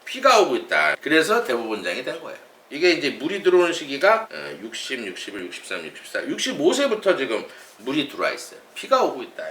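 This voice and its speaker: A man's voice: medium pitch, huge pitch swings, fast, sharp tone, far from the mic, a little hiss or hum. A middle-aged man working as a saju fortune-teller, explaining readings in a chatty, lecturing way with many restarts. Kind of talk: casual explanatory monologue. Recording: echoey room, voice a bit off-mic.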